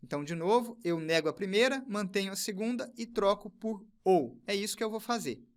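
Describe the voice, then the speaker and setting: A man teaching an online lesson, working through each step methodically and repeating key phrases slowly. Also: sits high, lively intonation. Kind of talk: recorded online lesson, explaining on screen.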